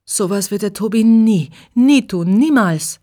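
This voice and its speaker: A woman's voice: animated, measured pace, darkish tone, no echo. A woman voicing a distraught young woman who pleads. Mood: pleading. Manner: pleading, rises high when upset.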